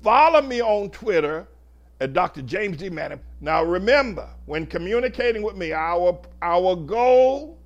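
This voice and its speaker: A man's voice: high-pitched, expressive, a little slow, dull audio. A male pastor preaching a sermon, emphatic and building his points in repeated lists of phrases.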